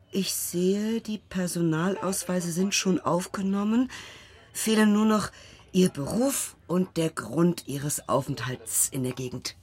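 An actress playing a patient, polite policewoman in a German crime radio drama, matter-of-fact and official. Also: lowish voice. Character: businesslike policewoman taking witness details, patient and polite. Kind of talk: German audio drama acting.

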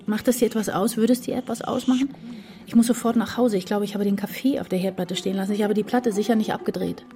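An actress playing an anxious woman writer in love, speaking her intense inner thoughts and confessions in a measured literary radio drama. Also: medium pitch, a little mellow, lightly acted. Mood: pleading, confessing. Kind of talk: literary radio drama, first-person inner monologue and dialogue.

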